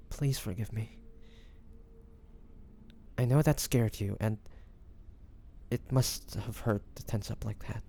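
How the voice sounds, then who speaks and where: A man's voice: medium pitch, warm tone. A man playing a devoted, anxious young man caring for a wounded loved one, tender and hesitant, in a romantic audio roleplay. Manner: tender, hesitant, breathy sighs, addressing the listener. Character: devoted, anxious young man tending his wounded dragon-shifter beloved.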